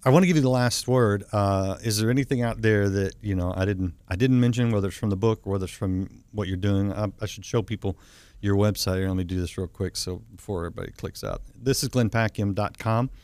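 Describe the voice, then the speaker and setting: A man's voice: fairly low pitch, fast, a little mellow, dry recording. A man hosting a talk show interview, easygoing and chatty, often restarting his sentences.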